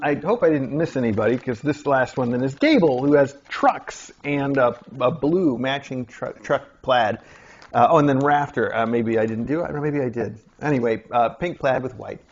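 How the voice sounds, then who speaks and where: A man casually narrating as he unpacks mail for a litter of kittens, chatting along and now and then cooing at them in a higher voice. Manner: chatty, talks to kittens in a high coaxing voice. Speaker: channel host opening mail. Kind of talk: casual narration while unboxing. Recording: slightly dull lo-fi sound, faint noise.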